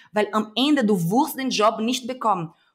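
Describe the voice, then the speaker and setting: Speaking at a fairly slow pace, a woman with a fairly high pitch sounds animated, her pitch varying in an ordinary way. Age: 30s. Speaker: activist and entrepreneur. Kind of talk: casual interview conversation.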